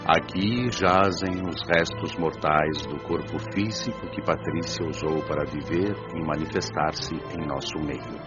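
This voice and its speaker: A man playing the solemn voice of an inscription, reciting gravely in a radio drama. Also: very deep voice, unhurried, few pauses, lo-fi sound. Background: music.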